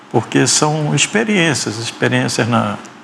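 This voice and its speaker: A man speaks over noticeable background noise. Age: 60s. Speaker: pastor and missionary. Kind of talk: testimony. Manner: halting.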